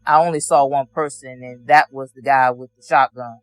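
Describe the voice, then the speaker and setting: A man's voice: mid-range voice, steady tone, normal speed, no echo, soft background music. Male witness, courtroom testimony, plain matter-of-fact answers, dry close sound.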